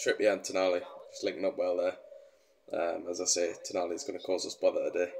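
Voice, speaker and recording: Over light background noise, a man with a Geordie accent talks at a very fast pace. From Newcastle, northern England; northern England. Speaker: football vlogger; football fan streamer. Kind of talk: live match vlog commentary. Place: home room. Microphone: headset.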